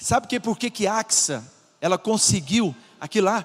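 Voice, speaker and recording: The speaker is a man. His tone is animated. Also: very clean recording, silent background. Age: 60s. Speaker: pastor. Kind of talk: sermon.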